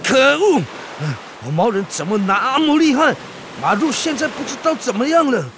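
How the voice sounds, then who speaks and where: An actor voicing an excitable, naive young tribal hunter in a radio drama, with a Taiwanese accent and a simple, wide-eyed way of talking. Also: high-pitched, moderate pace, background noise. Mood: worried.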